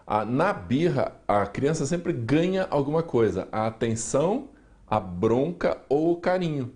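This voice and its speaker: A man explaining emotional control for children as a regular columnist on a TV news program, with a calm, explanatory manner and a Brazilian Portuguese accent. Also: mid-range voice, unhurried. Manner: calm explanatory, acts out parents' lines. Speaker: weekly columnist on parenting.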